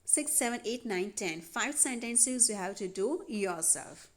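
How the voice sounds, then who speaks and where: A woman's voice: medium pitch, lively intonation, a little slow. A woman teaching a grammar lesson over a worksheet, patiently repeating instructions to students. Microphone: voice-over on handwritten worksheet video.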